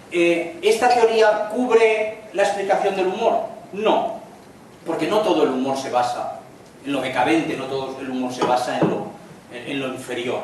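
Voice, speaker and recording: A man with a Spanish accent from Spain, giving a lecture in a chatty way and slipping in jokes with quick acted lines. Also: a little high. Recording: echoey room from far off, faint noise.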